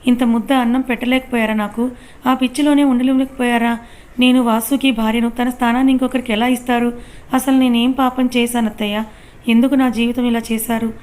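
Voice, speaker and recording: A woman's voice: on the high side, little pitch movement, fairly quick, darkish tone, close to an everyday voice. A woman voicing a distraught, angry young married woman in a read-aloud story, pleading and confrontational.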